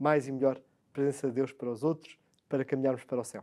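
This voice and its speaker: In a dark, mellow tone with monotone, flat intonation, a man talks very fast over a quiet background. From Portugal, Belas (Sintra), Lisbon area; Portugal. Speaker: priest guest on morning show. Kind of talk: TV talk show interview. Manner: halting, frequent repetitions and fillers. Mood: earnest, warm, explanatory. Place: studio. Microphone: lapel.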